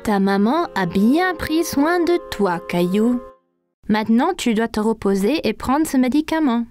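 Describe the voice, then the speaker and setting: Reassuring female physician for a preschool cartoon, high-pitched, dry recording, faint music. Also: lively intonation, unhurried, a little mellow, dry recording. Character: kindly, reassuring female family doctor.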